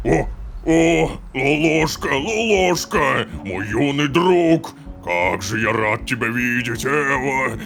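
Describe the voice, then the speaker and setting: Clear music plays behind a man doing a put-on character voice at medium pitch and a fairly slow pace. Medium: machinima. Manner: warm, chatty.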